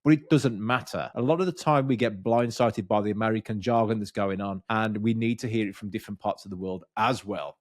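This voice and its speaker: A man in his thirties with a Birmingham accent, giving blunt, energetic business coaching straight to camera and swearing freely. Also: medium pitch, no echo, clean studio sound. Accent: Birmingham English. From Birmingham, England. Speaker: business coach and podcast host. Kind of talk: direct-to-camera coaching talk. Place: small dark studio room with bookshelves. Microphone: studio mic on boom arm.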